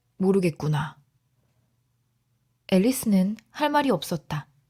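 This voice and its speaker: Soothing and somewhat breathy, a woman with a dark, mellow tone speaks at a fairly slow pace with very wide pitch swings, in a dry, close recording with no echo. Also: very clean recording, silent background. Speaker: audiobook narrator. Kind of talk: children's story audiobook reading. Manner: soft, soothing.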